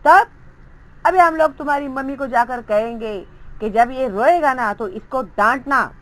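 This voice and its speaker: A woman's voice: high voice, unhurried, fairly bright tone, rough recording. A woman teacher explaining a Hindi textbook story, reading its lines aloud and acting out the children's voices.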